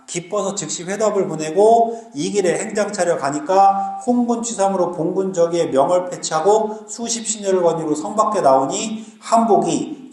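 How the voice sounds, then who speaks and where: A man lecturing to a live class, lively and slangy, often stopping to ask whether students follow. His voice sits a bit high for a man. The classroom rings with a roomy echo. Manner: lively, keeps checking students understand. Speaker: Korean literature teacher.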